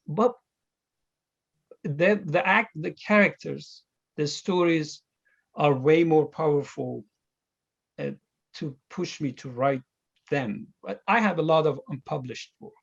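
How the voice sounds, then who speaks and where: A middle-aged man with an Iranian accent, a native Farsi speaker, answering interview questions reflectively and haltingly as he searches for words. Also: fairly high pitch, creaky, a bit bright, husky, highs cut off. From Iran. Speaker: author being interviewed.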